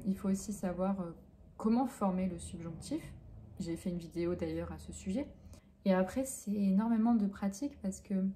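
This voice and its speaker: A young Frenchwoman from France who teaches French answers interview questions hesitantly, with plenty of fillers and self-corrections. Her voice is medium-pitched and mellow.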